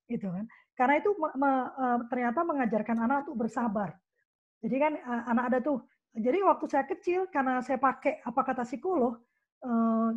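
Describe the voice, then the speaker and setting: A middle-aged woman with a high voice gives an animated talk on parenting. She keeps slipping into the words she says to her child. The recording is dull and lo-fi. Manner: animated, acts out her own lines to her child. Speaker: parenting guest speaker. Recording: dull lo-fi sound.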